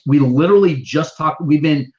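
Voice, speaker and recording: A man hosting and producing an interview show, talking in an excitable, playful way. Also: normal speed. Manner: excitable, playful, jumps up and down in pitch. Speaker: podcast host and producer. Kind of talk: casual interview chat. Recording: slightly dull lo-fi sound.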